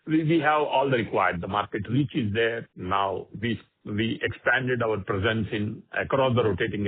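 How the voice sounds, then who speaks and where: A man, a company executive, answering analyst questions on an earnings call with many fillers and pauses. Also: lowish voice, slightly rough, dry recording. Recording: tinny phone line.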